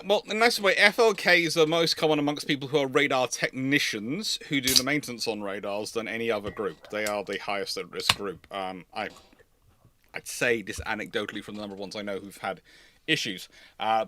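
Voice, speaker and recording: A British man hosts a casual livestream Q&A, answering viewer questions while thinking aloud and drifting into digressions. He speaks briskly at a medium pitch against a noisy background.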